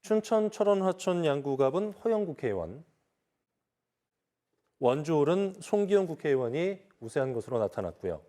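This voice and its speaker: Male studio host, mellow tone, clear announcer-style read, moderates a panel. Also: a little high, moderate pace. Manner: clear, even announcer delivery reading poll results. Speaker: news talk show host.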